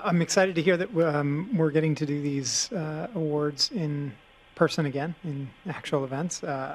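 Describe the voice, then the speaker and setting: A male commissioner speaking in a gravelly, rather monotone voice that sits a bit high. His remarks are halting, with many pauses and filler sounds. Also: a little hiss or hum, poor audio. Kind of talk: formal meeting remarks.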